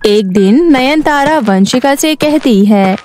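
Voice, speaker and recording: A woman with a high voice narrates a children's cartoon story. She reads from a script as the storyteller. Light music plays underneath. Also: lively intonation, slow pace, a little mellow. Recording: faint music bed behind voice.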